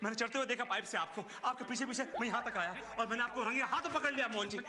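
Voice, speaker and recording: An actor playing an excitable, suspicious office worker who dramatically accuses his colleague, in a TV sitcom. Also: extremely high pitch, very fast, noisy background. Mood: indignant. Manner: theatrical, indignant, repeats himself. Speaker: sitcom character. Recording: TV sitcom audio with background music.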